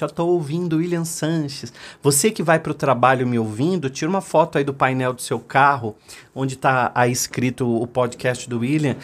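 A man hosting a podcast in a direct, emphatic motivational monologue, repeating key phrases. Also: fairly high pitch. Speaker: podcast host.

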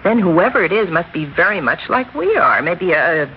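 An actress playing a spirited young woman radio reporter in an old-time radio drama, teasing and quick-witted. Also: lowish voice, sing-song. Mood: lively. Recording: dull old radio recording, hiss.

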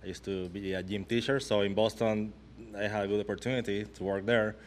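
Man, bass player guest, lowish voice, hesitant and easygoing. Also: little pitch movement, brisk, slight background noise. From Puerto Rico. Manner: easygoing, hesitant, many fillers. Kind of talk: casual interview chat.

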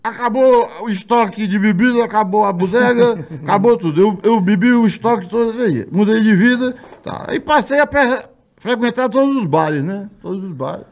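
A man's voice: sits high, lively intonation, pitched above the performer's own voice. A merry male drunk played by a man, a comedy barfly with a raised voice. He drags and repeats his phrases, giggling through his bar tales. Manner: halting, repetitive, giggly. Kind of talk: stand-up comedy character bit.

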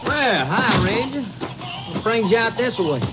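A man's voice: extremely high pitch, sing-song, unhurried, over loud music, heavily acted. A man with a rural American accent playing a plain-spoken, deferential ranch hand in a 1950s western radio drama, speaking in a hesitant, folksy way. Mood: friendly. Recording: muffled, noisy old 1950s radio recording.

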